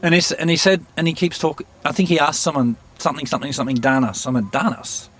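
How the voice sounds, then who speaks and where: A man telling stories in an interview, halting and searching for words, often laughing. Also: a little high, fairly bright tone. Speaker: interviewee, musician. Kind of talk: casual storytelling interview.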